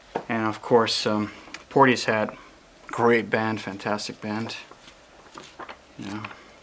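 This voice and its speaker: The pace is fairly slow. Background noise is noticeable. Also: man. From Italy. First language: Italian. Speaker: music gear YouTuber. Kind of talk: casual video monologue. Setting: home studio.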